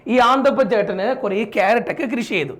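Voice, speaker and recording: A man's voice: sits high, lively intonation, fast, fairly bright tone. A man teaching an exam-prep lesson, spinning silly mnemonic stories and calling his students "children". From Kerala, India. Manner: chatty storyteller, calls students "children" affectionately.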